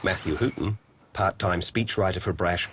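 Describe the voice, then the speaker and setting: A man giving even, deliberate scripted documentary narration. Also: low voice, a little hiss or hum.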